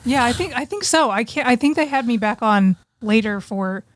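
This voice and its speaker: A woman's voice: a little high, animated, normal speed, no room sound. Informal woman podcaster in a dry space. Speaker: podcast co-host and author. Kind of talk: casual conversational podcast chat.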